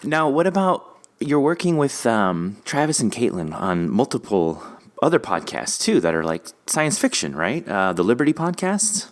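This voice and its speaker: A man's voice: medium pitch, sing-song, moderate pace, few pauses. A man hosting a casual podcast interview, informal and enthusiastic, often searching for words. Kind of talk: casual chat.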